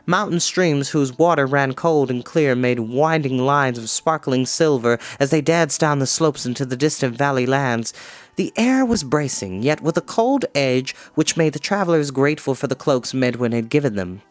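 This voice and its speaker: A man's voice: medium pitch, animated, normal speed, dry recording. A man reading a story aloud expressively, with informal, chatty asides to listeners. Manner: informal, explains words to listeners.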